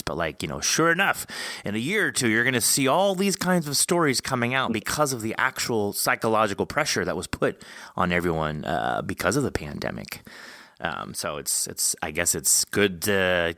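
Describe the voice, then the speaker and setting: A man's voice: lowish voice, pushed and bright, no room sound, clean studio sound. A man hosting a casual interview, talking in a wordy, rambling way as he thinks aloud. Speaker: podcast host interviewing an author.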